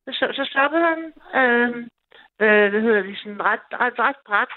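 A woman in her fifties calling in, rambling through a personal story and repeating herself a lot. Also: on the high side. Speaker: caller. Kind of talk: personal storytelling on a call-in show. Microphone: telephone. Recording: tinny phone line.

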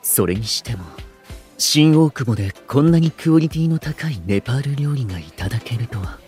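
An actor playing a courteous, bookish young food streamer in an audio drama, speaking in formal, literary, gentlemanly phrases. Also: male voice, mid-range voice, expressive, fairly quick, soft background music, lightly acted. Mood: appreciative. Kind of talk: Japanese audio drama acting.

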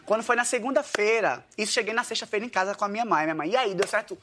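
A man's voice: sits high, rapid-fire. A man from Paraíba with a Northeastern Brazilian accent, telling a comic story to an audience and acting out the voices of the people in it. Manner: animated, acts out his own dialogue. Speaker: guest storyteller, dance teacher. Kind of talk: comedic storytelling before an audience.

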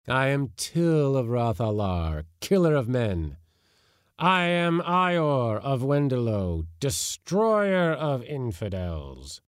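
A man voicing an ancient, bodiless alien warlord spirit, speaking in slow, grand, booming declamation. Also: big pitch swings, clean tone, no room sound, studio quality. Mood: boastful.

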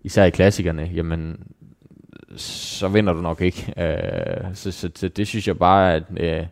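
A man from Jutland, a professional cyclist answering interview questions calmly and modestly, often restarting his sentences. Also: low voice, vocal fry, dry recording, studio quality. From Jutland, Denmark.

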